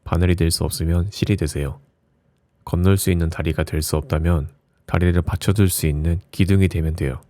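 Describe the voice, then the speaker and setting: A man with a low voice reads reflective essays as an audiobook narrator, in a soft ASMR style with a gentle, soothing bedtime delivery. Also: steady tone, a little fast, no room sound, studio quality. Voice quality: low, mellow voice.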